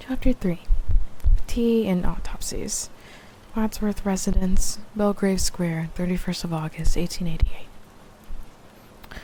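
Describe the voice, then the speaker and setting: Soft-spoken and very slow, a woman talks at a medium pitch with ordinary pitch variation. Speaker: VTuber / ASMR streamer. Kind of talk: soft-spoken ASMR audiobook reading for sleep and relaxation. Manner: soft-spoken, calm, cozy.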